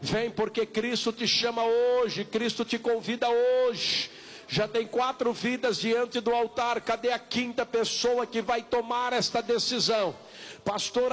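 High-voiced Brazilian preacher, insistent. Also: male voice, a bit bright. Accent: Brazilian Portuguese. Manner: insistent, repetitive exhortation with drawn-out calls. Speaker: pastor leading an altar call. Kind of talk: evangelical sermon, altar call and prayer.

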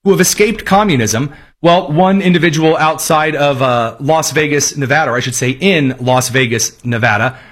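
Sarcastic man with a husky voice. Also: on the high side, normal speed, fairly bright tone. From Indiana. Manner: mocking, jokey asides. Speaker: commentary host. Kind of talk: sarcastic political commentary.

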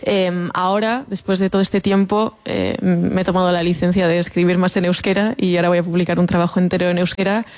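A woman in her twenties from the Basque Country, a native Basque speaker, chatting about her music in a relaxed, somewhat hesitant way. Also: lowish voice, fast, hardly any pauses. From Basque Country, Spain. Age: 20s. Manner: relaxed, hesitant, laughs softly. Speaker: singer, interview guest. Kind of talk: casual interview.

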